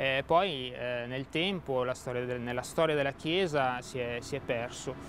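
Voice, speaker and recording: A man speaks at a medium pitch with ordinary pitch variation. There is light background noise, and the sound is dry with no echo. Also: fairly slow pace. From northern Italy, Brianza (Lombardy); Lombardy, Italy. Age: 40s. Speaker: deacon and care worker. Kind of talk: interview. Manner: halting. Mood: calm, reflective, hesitant. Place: garden.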